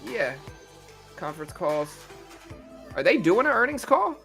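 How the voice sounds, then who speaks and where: A man's voice: sits high, sing-song, unhurried, a bit bright, soft background music. A man in his thirties hosting a casual trading livestream, laid-back and rambling, full of slang. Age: 30s. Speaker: livestream host. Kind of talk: casual livestream chat about stocks.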